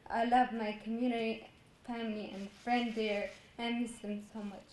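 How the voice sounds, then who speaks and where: A woman's voice: on the high side, little pitch movement, normal speed, darkish tone, slight background noise. Teen girl in an echoey hall. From Palestine. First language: Arabic. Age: teens. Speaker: graduating student. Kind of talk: prepared speech.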